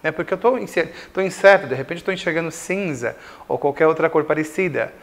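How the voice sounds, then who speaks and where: A Brazilian man teaching English grammar in a recorded school lesson, explaining slowly with repeated examples and checks like "certo?". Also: a little high. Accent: Brazilian Portuguese.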